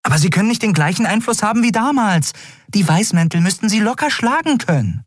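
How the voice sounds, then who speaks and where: A man voicing a small winged, horned female creature who speaks in panicky, shrill outbursts. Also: very animated, brisk, no room sound, clean studio sound. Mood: panicked.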